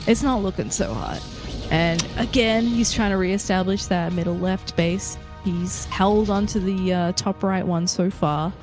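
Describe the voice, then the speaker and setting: A female esports caster in a mid-range voice breaks down a live match with steady, analytical commentary. She talks through production and map control in an even, conversational way, with faint music in the background. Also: medium pitch, a little slow. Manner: steady, analytical, with light laughs.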